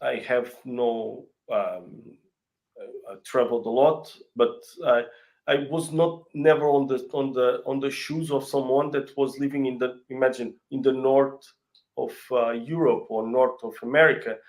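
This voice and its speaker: On a video call for a casual interview, the country head of a real estate company talks with a Portuguese accent in a mid-range, slightly mellow voice with a steady tone. Portuguese is his native language, and he frequently stops to find the right words, restarting and using many fillers.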